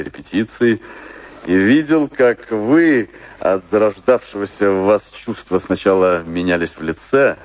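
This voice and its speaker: A thoughtful theatre director in a radio play. His voice is low and his manner courteous. He speaks with earnest, reflective care, as if working out a theory. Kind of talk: theatrical Russian radio drama dialogue.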